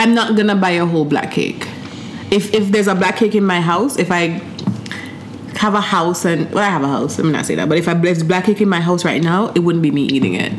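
A woman with a fairly low pitch talks at a very fast pace with very even loudness. Audible room echo and noticeable background noise accompany her. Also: ordinary pitch variation. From Jamaica. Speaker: podcast co-host. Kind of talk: casual chat.

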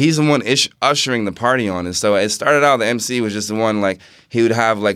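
Against a very clean recording with a silent background, a man speaks with an American accent in an unremarkable speaking voice. His pitch is fairly low with ordinary variation, and his pace is fairly quick. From New York City. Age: 30s. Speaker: rapper and poet. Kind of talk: casual interview chat.

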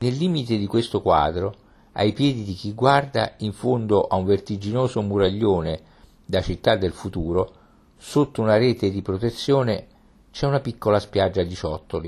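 Somewhat breathy and fairly low-pitched, a man speaks at a moderate pace with ordinary pitch variation on a very clean recording with a silent background. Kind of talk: reading aloud a travelogue text. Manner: measured, literary, evocative narration.

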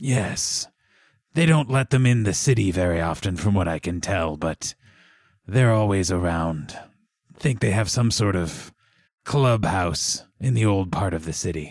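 A man puts on a character voice that is raspy and very deep. He speaks at a moderate pace. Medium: actual play. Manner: aloof, self-assured.

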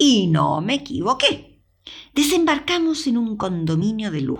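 Using vocal fry and a Chilean accent, a woman speaks at a very slow pace with a fairly high pitch and very wide pitch swings. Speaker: podcast host and storyteller. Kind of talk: scripted narration.

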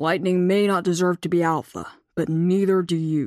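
A strained, put-on character voice sits at a middle pitch. It moves at a moderate pace. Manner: growling, restrained anger.

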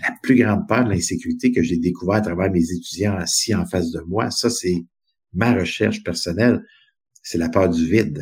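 A man's somewhat breathy, fairly low voice with a Quebec accent, ordinary pitch variation and a moderate pace, on a very clean recording with a silent background. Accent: Québécois French. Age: 50s. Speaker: motivational speaker. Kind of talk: casual interview chat.

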